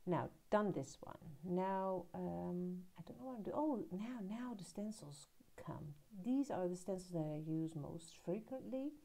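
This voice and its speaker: A woman giving a relaxed, rambling voiceover about her art journal page, pausing often and filling gaps with little hesitations. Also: lowish voice, gravelly. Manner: relaxed, rambling, with many pauses and fillers. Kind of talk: casual voiceover narrating her crafting. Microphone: voiceover recorded at her laptop.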